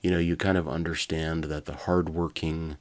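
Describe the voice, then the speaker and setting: A man's voice: extremely low pitch, flat delivery, moderate pace. A man narrating a children's storybook, with casual asides of his own commentary. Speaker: reader and commentator.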